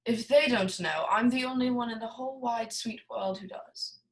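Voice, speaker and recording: Radio play villain, female actor: genial, long-winded criminal mastermind, orotund and theatrical, a little high in pitch. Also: normal speed, close to an everyday voice. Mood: amused, intrigued. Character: jovial, wordy, scheming fat male crime boss. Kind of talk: film noir radio play acting.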